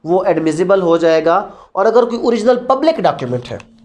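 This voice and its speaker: This law lecturer, a man with a Pakistani accent, sounds high-pitched, expressive, and a little mellow at a normal speed. He walks through evidence law in Urdu and English, asking himself questions and then answering them.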